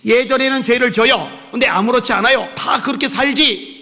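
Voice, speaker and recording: A man pastor preaching a sermon with impassioned swings between soft pleading and raised exhortation. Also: very high-pitched, fairly quick, in a large hall, soft background music.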